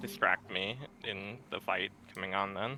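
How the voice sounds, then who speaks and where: Using a put-on character voice with a fairly low pitch and fairly even intonation, a man speaks at a moderate pace over clear background noise. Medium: actual play.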